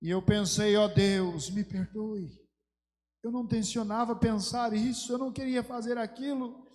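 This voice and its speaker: High-voiced pastor preaching. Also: male voice, fairly even intonation, a little slow, darkish tone. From Brazil. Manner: fervent storytelling preaching that swells into emphatic exhortation. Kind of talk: sermon. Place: church sanctuary. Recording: long church hall reverb.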